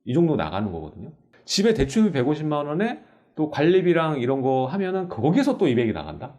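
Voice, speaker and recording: A man's voice: a little high, fast. A male host who introduces the segment and explains costs step by step in a casual talk-show style. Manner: animated, explains figures step by step.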